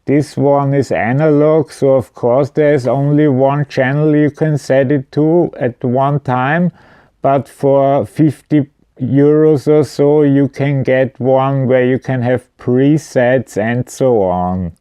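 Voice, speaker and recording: Man, unhurried, smooth clear voice, informal explainer, matter-of-fact, slightly hesitant. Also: mid-range voice, fairly even intonation, warm tone, no echo. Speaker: video presenter. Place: indoors at home.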